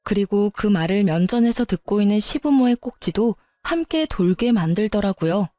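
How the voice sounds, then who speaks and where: A woman's voice: mid-range voice, animated, normal speed, mellow, no echo, faint music behind. A woman narrating a true-life story in an indignant, colloquial storytelling manner.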